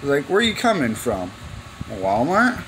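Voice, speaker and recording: A man's voice: mid-range voice, huge pitch swings, a little slow, a bit bright, slight background noise, low-quality recording. A young man telling a story to camera in a casual, rambling, slangy way, acting out the exchanges as he goes. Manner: slangy, informal, acts out quoted exchanges. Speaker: vlogger. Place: cluttered garage, indoors.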